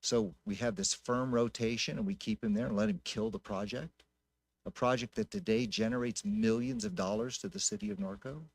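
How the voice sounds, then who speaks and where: A man's voice: medium pitch, animated, brisk, gravelly. An American man speaking off the cuff as a city council member at a public meeting, emphatic and prone to repeating his points. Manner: emphatic, repetitive. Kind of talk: impromptu public meeting remarks.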